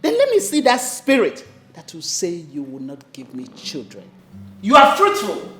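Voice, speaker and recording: A woman's voice: on the low side, huge pitch swings, moderate pace, fairly bright tone, echoey room, faint music behind. An actress playing a domineering middle-aged mother who scolds her son for not giving her grandchildren. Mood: lecturing. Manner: scolding, bossy. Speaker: actor. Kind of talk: melodrama acting.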